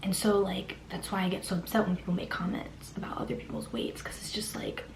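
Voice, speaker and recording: A woman's voice: on the low side, little pitch movement, a little fast, vocal fry. A young woman whispering a personal story in a chatty way, full of "like" fillers. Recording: echoey room with faint hiss.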